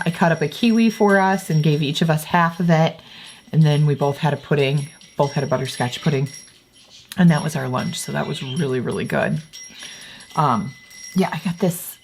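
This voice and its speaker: A low-pitched woman, a vlogger who homeschools her children, talks casually to the camera indoors at home. Her chat rambles and self-corrects, with a little hiss or hum on the recording.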